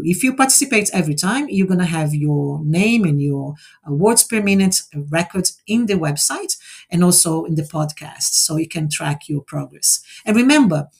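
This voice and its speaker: A woman in her forties, a native Portuguese speaker, hosts a casual online group session built around a speaking exercise. Her voice is fairly low with a breathy edge, and she explains the task encouragingly, often tagging her sentences with "right?"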